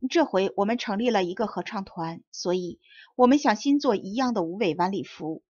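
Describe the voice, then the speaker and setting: A woman's voice: mid-range voice, lively intonation, a little fast, darkish tone, no echo, close to an everyday voice. A woman reading as a brave black mouse who speaks for a small choir, confidently and fluently. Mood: earnest. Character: bold little black mouse, leader of a choir. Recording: dull dry audiobook recording.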